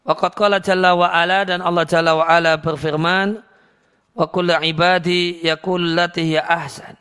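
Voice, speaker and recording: A man giving an Islamic lecture on hadith, explaining calmly with many restarts and reciting Arabic verses before translating them. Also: high voice, moderate pace, clean tone. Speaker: Islamic teacher.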